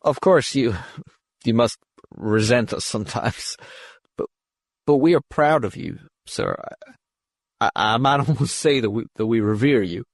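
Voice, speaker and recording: A man's voice: mid-range voice, lively intonation, unhurried, long pauses, no room sound. A man acts out a young technician in a science fiction audiobook, worried and deferential. He stammers and hesitates, apologizing as he goes. The sound is dry and close. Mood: humble, nervous.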